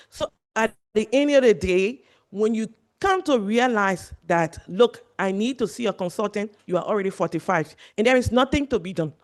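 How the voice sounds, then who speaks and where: Earnest woman from Liberia lecturing. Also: on the high side. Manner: earnest, repeats key points. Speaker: medical speaker at a journalist training. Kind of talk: presentation to journalists.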